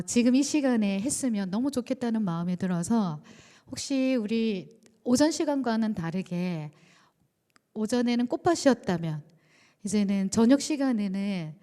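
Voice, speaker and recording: A woman pastor leading a midweek service in a casual, conversational way, with light humor and easy fillers. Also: mid-range voice. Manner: chatty, warm-humored, with light laughs and fillers. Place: church sanctuary. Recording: long church reverb.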